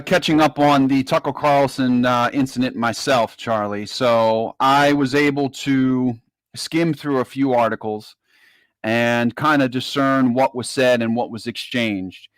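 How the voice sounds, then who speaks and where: A man's voice: mid-range voice, steady tone, slow pace, fairly bright tone, no room sound. A man giving informal political commentary in an emphatic way, repeating phrases for stress. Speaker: guest commentator.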